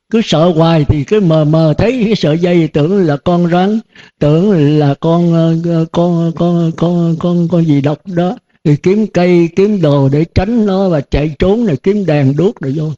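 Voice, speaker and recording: Older male monk preaching; high voice, mellow tone, folksy and questioning, dull lo-fi sound. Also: a little slow. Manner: folksy, rhetorical questions, chuckles often. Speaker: Buddhist monk teacher. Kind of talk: dharma talk to disciples. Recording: dull lo-fi recording.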